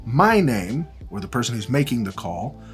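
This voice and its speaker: A man with a medium-pitched, very lively voice presents a practical tutorial. He explains things informally and with emphasis, like someone demonstrating equipment to viewers. Faint music plays behind him. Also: normal speed. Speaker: presenter of a film-gear tutorial. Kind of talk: instructional product demonstration with casual asides. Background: background music.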